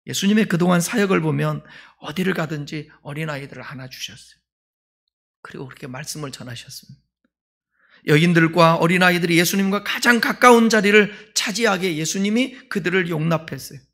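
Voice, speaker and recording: A male pastor preaching a sermon in a conversational way, asking the congregation questions and swinging between loud emphasis and quiet asides. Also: a little high, brisk.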